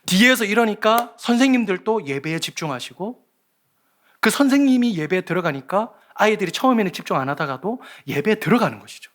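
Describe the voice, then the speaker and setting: Man, pastor, sermon, high voice, very lively pitch, acts out voices. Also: fairly quick. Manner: animated, acts out children's voices and shouts. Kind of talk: sermon with storytelling. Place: church sanctuary.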